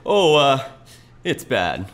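A man playing a brisk, chatty police officer in a live radio play, recorded in a roomy club with some noise. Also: medium pitch, wildly swooping pitch, a bit bright, exaggerated voice. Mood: brisk, concerned. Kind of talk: live old-time radio play acting.

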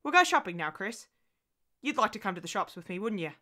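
A woman's voice: mid-range voice, big pitch swings, fast, pushed and bright. A woman voicing an anxious young mother with fraying nerves in audiobook dialogue, tense and pleading. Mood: coaxing, firm.

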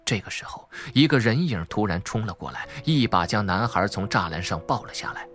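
A man's voice: lowish voice, animated, brisk, fairly bright tone. A man reading a novel as dramatic scripted narration. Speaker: audiobook narrator. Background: background music.

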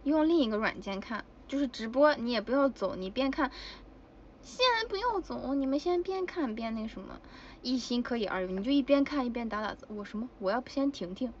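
A woman's voice: a little high, lively intonation, brisk, highs cut off, a little hiss or hum. A woman chatting casually with fans on a livestream, giggly and exclamatory. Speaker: idol livestreamer. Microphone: phone.

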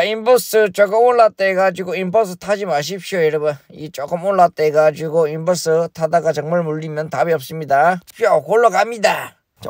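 A man's voice: on the high side, no room sound, studio quality. A man hosting a comic stock vlog, groaning and complaining in an exaggerated way. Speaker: stock investing YouTuber.

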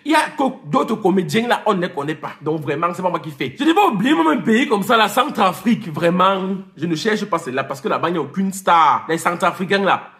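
A man's voice: high-pitched, expressive, a little fast, hardly any pauses, fairly bright tone. A man ranting and teasing his viewers in a comic vlog, repeating names, slipping into English and laughing as he talks. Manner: laughs while talking. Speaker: vlogger. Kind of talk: comic rant to camera.

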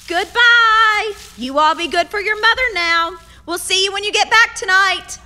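An actress playing a warm, teasing, candid frontier aunt in a radio drama, folksy and expressive. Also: female voice, very high-pitched, normal speed, slight background noise, full character voice. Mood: fond, admiring.

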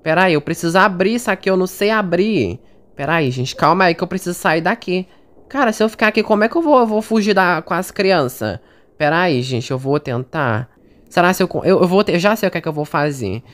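A woman's voice: lowish voice, lively intonation, fairly quick. Chatty, jumpy Brazilian woman gamer. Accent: Brazilian Portuguese. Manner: chatty and jumpy, talks to the audience and game characters. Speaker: gaming streamer. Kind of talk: casual gameplay commentary.

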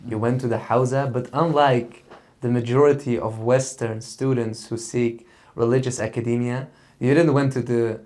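A man's voice: medium pitch, steady tone, normal speed, darkish tone. Young male podcast host, supportive, asks questions and affirms often at a studio desk mic. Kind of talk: interview questions. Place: small studio set with plants. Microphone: desk mic on stand.

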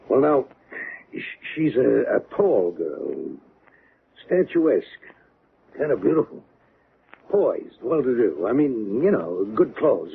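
A male police detective talks in a colloquial, halting way in an old radio drama. The voice is mid-pitched with plenty of gravel, on a thin, narrow broadcast recording. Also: slight background noise. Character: plain-talking police detective briefing a colleague, colloquial and hesitant. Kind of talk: 1970s radio drama acting.

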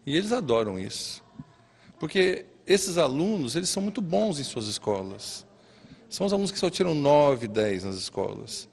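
A man's voice: a little high, big pitch swings, normal speed, vocal fry, a little mellow, breathy edge. A man in his fifties with a Brazilian accent, a teacher answering interview questions with emphatic repetition. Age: 50s. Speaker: maths teacher. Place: classroom. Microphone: handheld interview microphone. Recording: long classroom reverb.

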